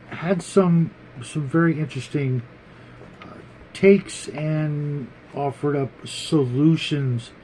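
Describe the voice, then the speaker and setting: A man with a dark, mellow voice at a middle pitch hosts a casual tabletop gaming show. He talks to viewers in a rambling, halting way, repeating words as he thinks aloud. A faint noise sits behind his voice. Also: poor audio.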